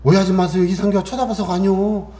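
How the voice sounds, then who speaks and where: A middle-aged male pastor giving a lively Sunday sermon. He asks the congregation questions and acts out voices from his stories. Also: sits high, fast, echoey room.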